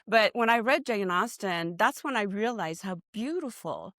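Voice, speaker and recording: A woman's voice: medium pitch, animated, moderate pace, a bit bright, no room sound, studio quality. Effusive woman host, Japanese native speaker. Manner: effusive, giggly. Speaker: podcast host. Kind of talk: friendly interview hosting.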